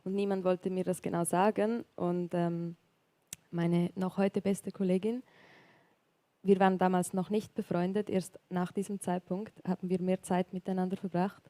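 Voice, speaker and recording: Soft-spoken young Swiss woman, low dark voice. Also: little pitch movement, dry recording. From Graubünden, Switzerland. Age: young adult. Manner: soft, hesitant, reflective, with frequent pauses and fillers. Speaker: guest sharing her life story. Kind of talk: personal testimony interview in a church service. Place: church stage.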